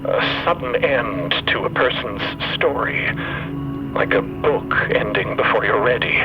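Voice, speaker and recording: A man playing a gentle, grieving machine crewmate in an audio drama, speaking haltingly in solemn, formal eulogy. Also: mid-range voice, highs cut off, music in the background, lightly acted. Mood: mournful reflection.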